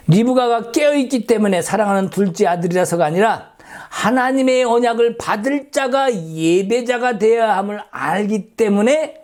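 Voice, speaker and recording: A man's voice: high voice, a little mellow. A middle-aged man, a pastor, preaching a sermon in a conversational way and asking his listeners rhetorical questions. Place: church in the Silicon Valley area.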